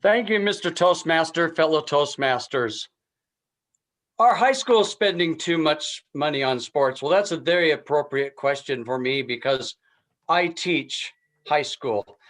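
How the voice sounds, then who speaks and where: A man's voice: fairly high pitch, expressive, measured pace, fairly bright tone. A man giving an impromptu persuasive speech as a contestant, earnest and emphatic, repeating key phrases. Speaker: contest speaker.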